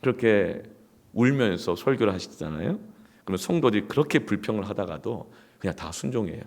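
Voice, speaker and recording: A male pastor preaching a sermon through personal stories, emphatic and swinging from hushed asides to loud outbursts. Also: on the low side, lively intonation, brisk, vocal fry.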